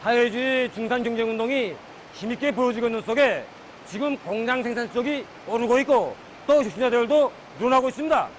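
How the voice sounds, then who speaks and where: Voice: mid-range voice, fairly quick. A speaker with a North Korean accent giving a formal, prepared report as a factory official in a news interview. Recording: noisy on-site news interview.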